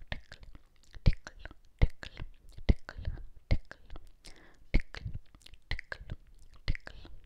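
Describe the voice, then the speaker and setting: Soft-spoken, playful whispering at a fairly slow pace. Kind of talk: playful narration while painting. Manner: playful soft ASMR whisper.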